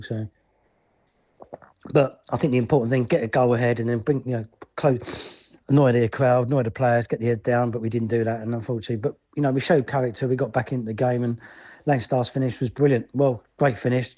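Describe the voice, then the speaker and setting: Male football supporter, mid-pitched and mellow, chatty colloquial voicemail delivery. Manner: colloquial, rambling, frequent "you know". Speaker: fan leaving a voicemail for a podcast. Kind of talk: casual spoken match review.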